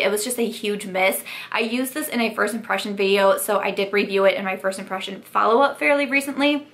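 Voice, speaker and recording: A young woman talks through a casual beauty review, frank and full of fillers. Her voice is strained from a sore throat she keeps mentioning. She sits at an ordinary middle pitch. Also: a bit bright. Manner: chatty, frank, filler-heavy with likes. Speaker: beauty vlogger.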